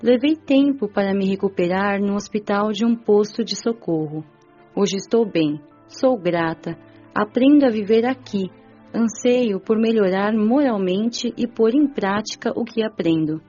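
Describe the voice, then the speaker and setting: A woman playing a humble young female spirit who confesses in a measured way in a dramatized audiobook. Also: medium pitch, dark tone, lightly acted. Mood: humble, grateful. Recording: dull lo-fi audio with music underneath.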